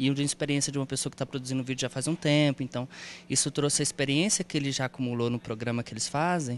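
Over light background noise, a man speaks at a very fast pace with fairly even intonation in a dry sound with no echo. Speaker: teacher. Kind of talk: interview testimonial. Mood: positive, appreciative. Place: street. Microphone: handheld.

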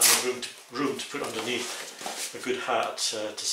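A man's voice over noticeable background noise. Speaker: gear reviewer. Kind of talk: show-and-tell tutorial. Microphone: camera far.

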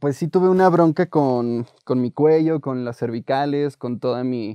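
A man at a moderate pace with fairly even intonation, a dry sound with no echo and a quiet background. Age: young. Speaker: rock drummer; interview guest. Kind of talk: interview conversation. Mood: reflective, personal, somewhat hesitant. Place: studio.

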